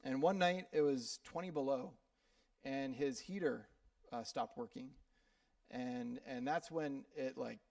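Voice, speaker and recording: A man's voice: medium pitch, creaky, darkish tone, dry recording, clean studio sound, distant mic. A man from Minnesota preaching a sermon in a church, talking in a loose, conversational way with fillers and repeated words. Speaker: pastor. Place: church sanctuary.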